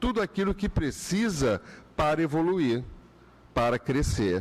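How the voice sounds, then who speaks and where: His delivery crawls along very slowly. The man's pitch rises and falls across a very wide range. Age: 70s. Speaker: spiritist lecturer. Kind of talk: religious lecture. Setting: spiritist centre hall.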